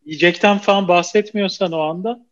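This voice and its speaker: Man, casual chat, slightly high voice, easygoing, muffled sound. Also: fairly even intonation, brisk, a bit bright.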